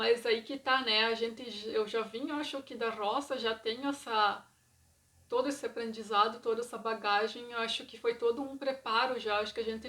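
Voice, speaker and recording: This woman has a fairly high pitch and a bright, sharp tone, in a rural Brazilian accent. Her pace is moderate and her intonation fairly even. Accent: rural Brazilian countryside. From rural Brazil, countryside. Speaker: reiki therapist and video creator. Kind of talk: casual talk to camera.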